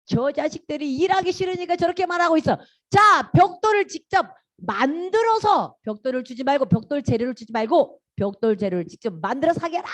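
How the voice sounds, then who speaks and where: A woman's voice: sits high, lively intonation, a little fast, hardly any pauses, voice pushed up. A woman playing a furious barking Pharaoh. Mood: scornful, commanding. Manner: shouting, dismissive commands. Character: angry scornful male Egyptian king.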